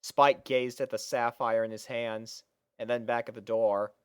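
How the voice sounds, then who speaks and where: A woman's voice: rumbling low, steady tone, unhurried, smooth, no echo, studio quality. A woman reading a scripted story as its narrator, in storybook style. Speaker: fan fiction narrator.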